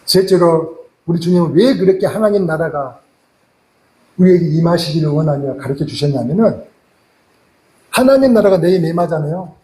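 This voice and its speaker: A man's voice: fairly high pitch, expressive, moderate pace, warm tone. A male pastor giving a Sunday sermon, emphatic and full of rhetorical questions. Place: church. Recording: echoey church hall.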